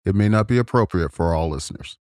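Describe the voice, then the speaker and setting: A man narrating a documentary podcast in a measured, dramatic scripted style. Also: deep voice, darkish tone, no echo, clean studio sound. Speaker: podcast host.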